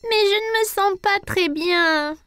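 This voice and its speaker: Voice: very high voice, bright, forceful tone, dry recording, faint music behind, exaggerated voice. A performer voicing a small, curious boy in a French-dubbed children's cartoon, speaking in simple, childlike phrases. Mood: plaintive, unwell. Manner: slow, simple, childlike questions. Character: small boy, about four, eager and curious.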